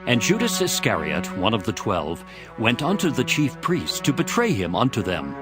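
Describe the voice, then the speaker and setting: Casting: man to narrate dramatized scripture, lowish voice, very varied intonation, over music. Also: huge pitch swings, normal speed. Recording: music behind the voice. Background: background music.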